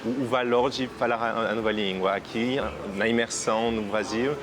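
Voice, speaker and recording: A man's voice: lowish voice, steady tone, normal speed, noisy background. A French man speaking Portuguese as a second language with a French accent, thoughtful and hesitant in an interview. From France. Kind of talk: casual interview testimony. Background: background music.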